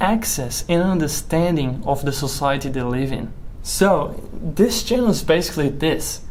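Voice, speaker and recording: A man with a Brazilian Portuguese accent speaks at a moderate pace and a high pitch, with audible room echo. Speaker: law PhD student and educational youtuber. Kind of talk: channel introduction to camera.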